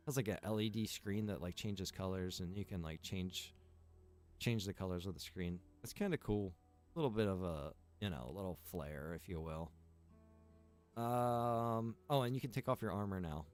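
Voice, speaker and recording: A man with a low, smooth and resonant voice chats loosely on a livestream and walks through his game server's new features. He rambles, fills pauses with "uh" and "like", and ticks items off one by one while faint music plays underneath. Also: darkish tone. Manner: rambling, filler-heavy, lists features one by one. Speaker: game server owner and developer. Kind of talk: casual livestream chat.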